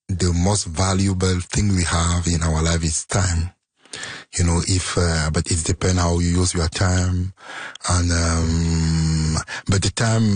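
A man talks through an interview in a low, husky voice. He speaks hesitantly, leaning on fillers and restarting his sentences. The sound is dry and close. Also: darkish tone, no echo. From Cameroon. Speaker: musician guest. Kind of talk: interview conversation.

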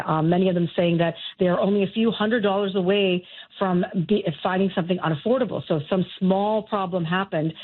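A woman who writes a personal finance column gives steady, explanatory advice in a radio interview over a landline phone. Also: on the low side. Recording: tinny phone line.

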